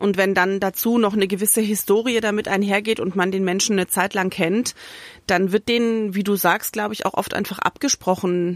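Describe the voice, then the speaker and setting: A plain, everyday voice at a fairly quick pace, with fairly even intonation and a dry, close sound with no echo, on a very clean recording with a silent background. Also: woman. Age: 40s. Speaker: podcast co-host, friend, self-employed. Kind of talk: casual chat.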